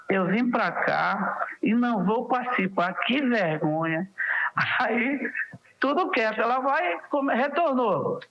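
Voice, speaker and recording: A man in his sixties with a Northeastern Brazilian accent recalls his playing days in a casual interview. His voice sits very high and he acts out every quote as he goes. The recording sounds dull and lo-fi. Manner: animated storyteller who acts out quoted dialogue. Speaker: former footballer guest.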